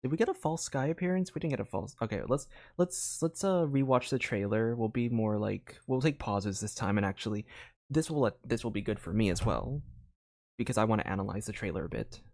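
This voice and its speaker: Gravelly-voiced man streaming casually. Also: on the low side, expressive, fairly quick, darkish tone. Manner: casual, thinking aloud, swears. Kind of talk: live reaction stream.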